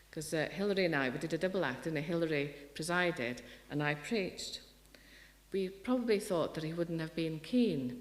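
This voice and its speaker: With a North Wales accent, a woman speaks at a fairly quick pace in a fairly low pitch with lively intonation, and audible room echo around her voice. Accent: Welsh (north Wales). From Wales, Llŷn peninsula (Nefyn). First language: Welsh. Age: 40s. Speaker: priest and poet. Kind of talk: festival lecture.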